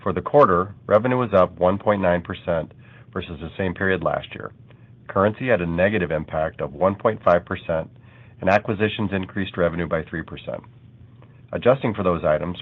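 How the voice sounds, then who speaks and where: A deep-voiced man reads a prepared financial report as a company executive. His delivery is formal and measured. The audio is narrow, like a telephone conference call.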